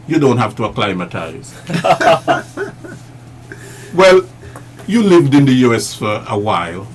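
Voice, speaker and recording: A man's voice: mid-range voice, slight background noise. A man interviewing guests, chatty and explanatory, repeating words while he searches for them.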